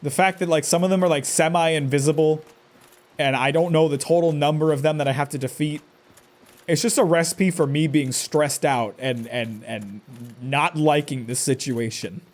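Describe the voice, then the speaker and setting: A man's voice: fairly high pitch, fairly even intonation, normal speed. Stressed streamer, man, slightly raised voice, mutters to himself and snaps at foes. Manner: talks to himself, curses at enemies, jumpy outbursts. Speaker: streamer playing a game live. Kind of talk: live gameplay commentary.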